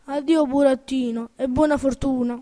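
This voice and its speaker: A woman's voice: sits high, steady tone, normal speed, dark tone, lightly acted. A woman doing a gloomy philosophical tuna. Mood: resigned. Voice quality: harsh, jangly voice. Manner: resigned, matter-of-fact. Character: resigned philosophical tuna fish, calm and gloomy. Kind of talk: storybook reading.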